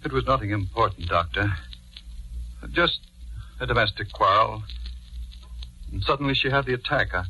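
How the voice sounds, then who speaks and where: An actor playing a smooth, murderous, guilt-haunted judge in 1940s radio drama style. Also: male voice, lowish voice, moderate pace, long pauses, sharp tone, a little hiss or hum, rough recording. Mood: feigned grief. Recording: old radio recording with music underneath.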